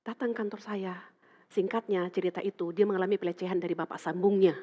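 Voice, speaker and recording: Animated woman preacher in a reverberant hall. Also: on the low side, fast talker. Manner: animated, acts out dialogue in quoted voices. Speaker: pastor. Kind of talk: sermon with storytelling. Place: church hall. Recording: dull sound with long church reverb.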